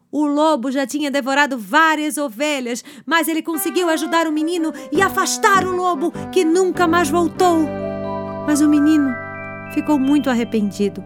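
A woman narrating a children's story in an animated, playful way. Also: high-pitched. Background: music.

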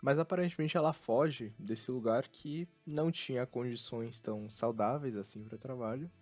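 A man's voice: medium pitch, normal speed, a little mellow. A Brazilian man hosting a casual podcast, chatting in a wry, self-mocking way. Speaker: podcast host. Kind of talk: casual humorous anime podcast chat. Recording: dull lo-fi sound, music behind.

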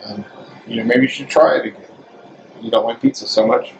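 A man from the American South with a deep bass voice, hosting an interview as a casual, playful, rambling chat. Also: a little fast, gravelly, a little hiss or hum, poor audio. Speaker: interview host.

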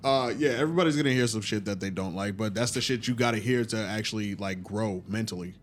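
A man with an African American accent and a somewhat low voice. He speaks casually in a group discussion. His way of talking is reflective and conciliatory. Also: fast, a little hiss or hum.

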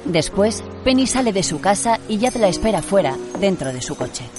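A woman with a Castilian Spanish accent reading audio description in a measured, even narration. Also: medium pitch. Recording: narration over loud film music.

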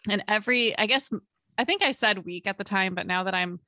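A woman's voice: mid-range voice, a little fast, bright, forceful tone, no room sound, studio quality. A woman in her late twenties co-hosting a podcast, chatting casually, laughing often and trailing off mid-sentence. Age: late 20s. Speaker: podcast co-host.

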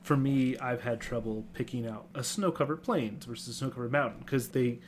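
A man co-hosting a podcast, chatting playfully and getting animated about what he likes. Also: a little fast, faint music behind. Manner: chatty, playful, jumps up in pitch when excited. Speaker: podcast co-host. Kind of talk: casual chat about card games.

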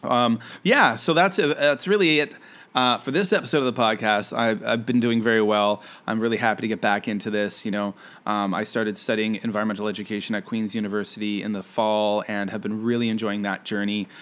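A man's voice: on the low side, fairly even intonation, a little fast, fairly bright tone. A man from Canada hosting a casual solo podcast, talking in a friendly, rambling way with many fillers and restarts. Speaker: podcast host; environmental educator.

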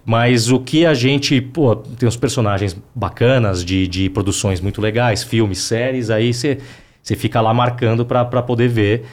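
A man with an ordinary middle-pitched voice speaks in an easy, reflective way. He is a voice actor in a relaxed conversation about his roles. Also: measured pace. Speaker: voice actor guest. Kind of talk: casual chat.

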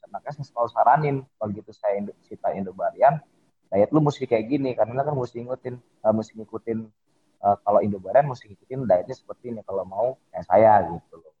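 Middle-aged guy rambling on a podcast, husky voice, tinny phone-line sound. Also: medium pitch. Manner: rambling, many fillers and restarts. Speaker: podcast guest, fitness method founder. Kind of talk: casual interview talk.

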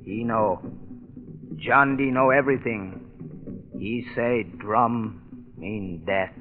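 An actor playing a taciturn, ominous island boat pilot in a vintage radio drama, speaking terse broken English. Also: male voice, lowish voice, slow pace. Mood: ominous, evasive. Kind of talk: 1940s radio acting. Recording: echoing old narrow-band radio recording.

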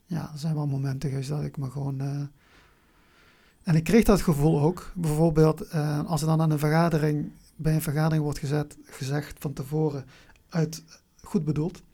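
A person with a southern Dutch accent talking reflectively in an interview, haltingly, often searching for words and repeating them. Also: mid-range voice, level tone, warm tone, husky. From Venlo, Limburg, Netherlands. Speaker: interview guest.

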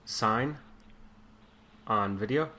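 A man's voice: fairly low pitch, extremely slow, sharp tone. Casual male interviewer, hesitant delivery. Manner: hesitant, informal questioning.

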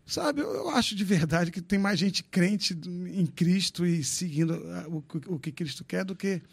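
A man's voice: sits high, lively intonation, unhurried, gravelly, husky. A man in his fifties from Brazil, talking loosely and frankly on a podcast, joking and swearing as he tells his story. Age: 50s. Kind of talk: casual podcast chat.

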